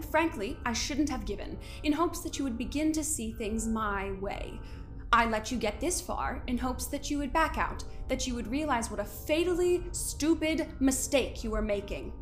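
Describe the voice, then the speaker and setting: A woman as a high-voiced, coldly menacing overseer. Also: close to an everyday voice. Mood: stern, disappointed. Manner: condescending, theatrical, measured. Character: coldly menacing woman overseer, smug, controlling, silky threats. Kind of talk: scripted audio drama acting.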